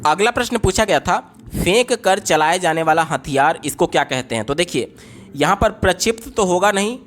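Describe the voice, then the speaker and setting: A man working through exam questions one by one, explaining each option step by step in a steady teaching voice. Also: high-pitched, moderate pace. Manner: explains step by step, often repeating "ye galat ho gaya". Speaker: exam tutor. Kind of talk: exam paper walkthrough.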